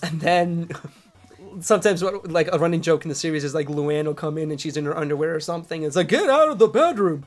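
A man's voice: on the high side, little pitch movement, fairly quick, soft background music. A man co-hosting a podcast in casual chat, recapping a cartoon episode, laughing often and acting out quoted lines. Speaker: podcast co-host.

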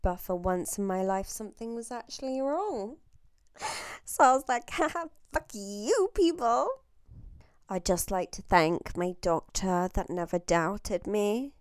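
A woman's voice: medium pitch, expressive, measured pace, clean tone, dry recording, clean studio sound. A young woman with an Australian accent hosting a casual solo podcast, chatty and self-mocking, swearing freely while getting over a chest infection. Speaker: podcast host.

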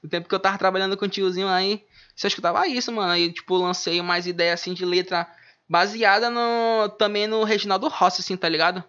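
A man's voice: high-pitched, fairly even intonation, fast, sharp tone, smooth. A man, a rapper guest talking casually in an interview, full of laid-back street slang. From Manaus, Brazil. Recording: dull lo-fi audio.

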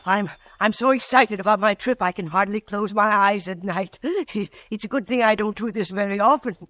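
Mild, excitable little man for a 1940s radio play: high-pitched, politely hesitant, chatty. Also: moderate pace, no room sound. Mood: eager, chatty. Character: fussy, excitable, mild-mannered little man, magazine customer. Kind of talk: 1940s radio drama acting.

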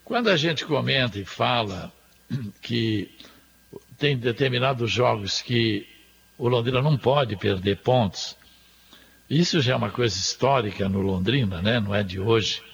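A man's voice: medium pitch, unhurried, gravelly, breathy edge. A Brazilian man giving conversational opinions as a radio sports commentator. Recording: dull sound with faint noise.

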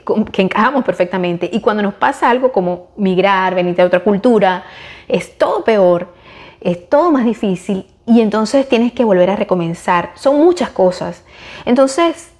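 A woman's voice: mid-range voice, a little mellow. Female podcast host, reflective solo monologue, earnest and thorough, mid-range voice. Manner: earnest, explanatory, long-winded. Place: lives in the United States.

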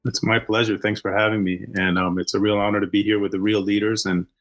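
A man's voice: on the low side, flat delivery, quick pace, fairly bright tone, soft background music. A man in his early fifties, born in Argentina and raised in the US, talking as a guest in a podcast interview with lots of restarts. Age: 50s. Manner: rambling, many restarts and fillers. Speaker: guest, social impact founder.

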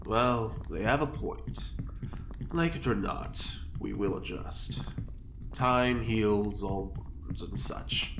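Wordy droll prisoner, slow lowish voice, theatrical, radio drama, roomy echo n faint noise. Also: male voice. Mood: resigned. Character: droll, eloquent male prisoner with theatrical flair. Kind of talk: audio drama acting.

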